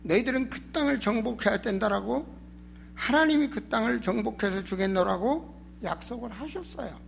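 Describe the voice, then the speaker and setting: A man's voice: sits high, animated, moderate pace, gravelly, slight background noise. A man preaching a sermon as a pastor, emphatic and exhorting, with rhetorical questions and a strained, sore throat. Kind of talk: sermon in Korean church.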